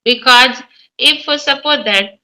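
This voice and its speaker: A woman's voice: high-pitched, a little slow, pushed and bright. A woman teacher with an Indian accent, a Hindi speaker, talking hesitantly with many fillers and restarts in casual conversation practice.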